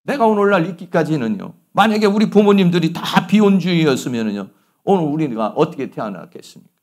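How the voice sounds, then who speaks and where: Animated male pastor preaching. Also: a little high, fast talker. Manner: animated storytelling preacher, rhetorical questions. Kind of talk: sermon.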